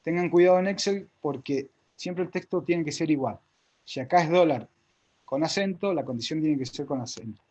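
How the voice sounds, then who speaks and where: A man's voice: fairly high pitch, moderate pace, a little mellow. A man teaching a live spreadsheet class step by step, with an Argentine Spanish accent, often checking whether his students follow.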